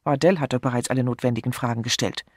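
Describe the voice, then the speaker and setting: A man voicing a smooth, wary hotel manager who speaks politely but turns sharp. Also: medium pitch, steady tone, racing, dry recording, clean studio sound, close to an everyday voice.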